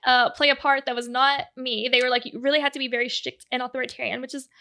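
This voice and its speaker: High-voiced young woman cohost, sweet smiley giggly chatter. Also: little pitch movement, quick pace, bright, forceful tone. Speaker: podcast co-host. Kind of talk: casual chat.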